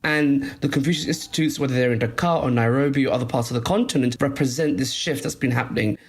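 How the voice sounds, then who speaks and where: A man reporting as a guest on a discussion panel, explaining at length in a measured way with frequent fillers. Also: mid-range voice, breathy edge.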